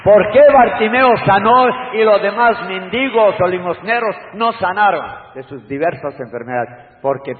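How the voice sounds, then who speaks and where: A man preaching an evangelistic sermon, swinging from shouted warnings to hushed pleading. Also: high voice, lively intonation, moderate pace, slight background noise. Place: church hall. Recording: long hall reverb over tinny phone-like sound.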